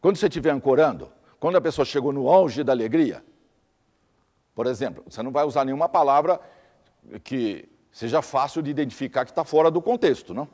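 A man with an ordinary mid-pitched male voice, slightly fast and a little mellow, gives a teaching lecture to a class. He sets out his points as lists and repeats his examples, and the audio has a long, hall-like reverb.

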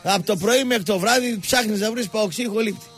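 The host of this radio sports show has a high voice with a breathy edge. He spins animated, mocking stories about football and keeps veering into digressions, with soft background music under his studio mic.

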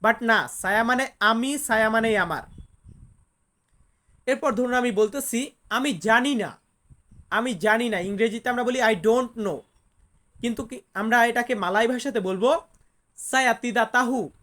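A woman, teaching a language lesson online. She patiently repeats each phrase slowly so it can be drilled. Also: on the high side, fairly bright tone.

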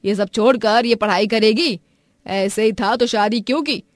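A woman playing a strict, grumpy middle-aged mother-in-law in an animated family story, with a commanding manner. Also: a little high, normal speed, dry recording, studio quality, natural voice. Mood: stern disapproval. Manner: scolding, commanding.

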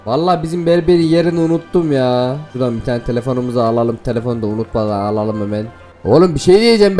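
A man hosting a gaming video, giving excited, playful commentary to viewers and laughing often. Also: a little high.

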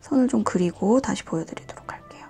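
A woman hosting a nail art and drawing tutorial, talking calmly step by step and often dropping to a whisper. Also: medium pitch, creaky, soft background music. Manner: calm, slow, often drops to a whisper. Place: indoors at a desk, hands on camera.

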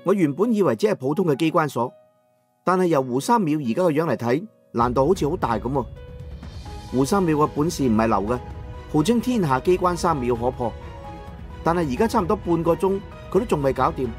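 A man narrating an audiobook in the first person in Cantonese, with colloquial, expressive dramatic storytelling. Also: fairly high pitch, a little fast, soft background music.

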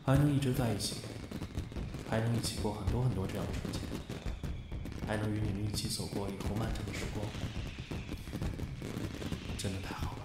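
A man's voice: on the low side, steady tone, brisk, pauses often, close to an everyday voice. An actor playing a young man who is teasing but tender, in an amateur audio drama. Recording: roomy, with clear fireworks noise.

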